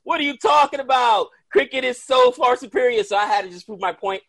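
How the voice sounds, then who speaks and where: A high-voiced man from the Dominican Republic chats as a podcast guest over a video call. He tells his story with lively energy and breaks into loud outbursts. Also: a little fast. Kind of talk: casual chat.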